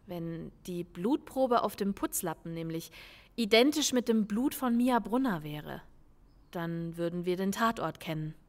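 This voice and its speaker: An actress playing a measured, reasoning police investigator in a crime radio drama, speaking politely and deliberately. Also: female voice, fairly low pitch, lively intonation, a little mellow. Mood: reflective. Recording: long room reverb.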